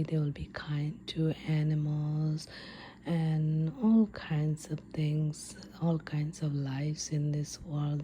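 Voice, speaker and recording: A woman whispering in a breathy, unvoiced ASMR storytelling style, hesitant and unscripted with drawn-out pauses. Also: low voice, dark tone, a little hiss or hum. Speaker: host of an ASMR storytelling channel.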